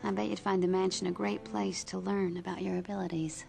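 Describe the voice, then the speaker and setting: An actress voicing a calm adult heroine who leads a newcomer on a tour of her team's home in a video game. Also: mid-range voice, brisk, gravelly, faint music behind. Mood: welcoming. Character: calm adult woman mutant team guide. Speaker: game character giving a house tour.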